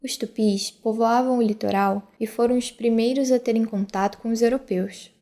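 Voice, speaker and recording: A woman's voice: fairly high pitch, steady tone, normal speed, mellow. A woman with a Brazilian accent hosts and narrates a scripted podcast. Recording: clear background noise.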